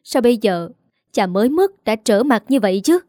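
Indignant outspoken daughter, read by a woman storyteller; mellow, dry voice. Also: a little high, animated, normal speed, no echo, close to an everyday voice. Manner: scornful and pleading.

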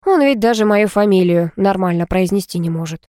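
A woman's voice: mid-range voice, fairly quick, warm tone, no echo, natural voice. Curious, eager young student girl, read by a woman, dry close read. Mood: friendly. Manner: eager, questioning.

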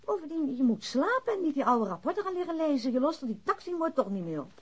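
A woman's voice: high voice, sing-song, quick pace. An actress playing a middle-aged policeman's worried, nagging wife in a naturalistic radio drama. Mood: scolding. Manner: scolding, fussing.

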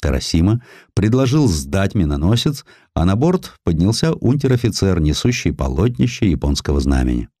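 A man's voice: low-pitched, sing-song, normal speed, dark tone, no echo, studio quality. A man narrating historical prose as a dramatised audiobook, telling the story as a scripted reading.

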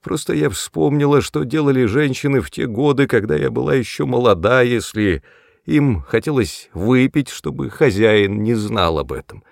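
A man's voice: big pitch swings, unhurried, creaky, dry recording, studio quality. A man doing a timid giggly old granny. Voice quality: higher, soft, giggling.

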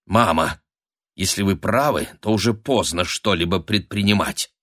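A man's voice: sits low, normal speed, no echo, clean studio sound. A man playing a weary sardonic young noblewoman. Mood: weary dry. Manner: flat, irritated, sardonic. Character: weary, dry-witted young noblewoman daughter.

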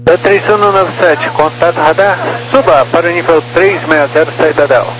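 A male radar controller issues short, procedural instructions over an aviation radio. His voice sits somewhat high for a man. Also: steady tone, normal speed, music in the background, rough recording. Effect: aviation radio transmission. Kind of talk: clipped air traffic instructions.

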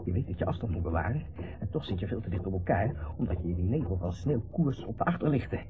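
An actor playing an irritable, gloomy company director and husband in a Dutch radio play, curt and sardonic. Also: male voice, lowish voice, expressive, fast, natural voice. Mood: shaken, annoyed. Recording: muffled, noisy old radio play recording.

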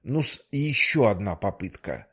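A self-important manager from a storybook speaks slowly, with wide, lively swings in pitch, as a male narrator puts him on. He hums long, musing "m-m-m" sounds before speaking, as if weighing every word. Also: slightly rough, full character voice. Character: humming, ponderous male institute manager, self-satisfied.

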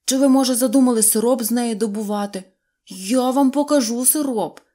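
A woman voicing a boastful, bossy little boy who shouts orders and brags. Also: mid-range voice, a little fast, close to an everyday voice. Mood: bossy shouting. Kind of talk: audiobook character voice.

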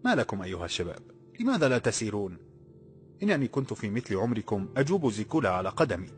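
A man's voice: on the low side, big pitch swings, rapid-fire, soft background music. A man voicing an old male cart driver who scolds young people in a thin, worn, dismissive voice. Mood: scornful.

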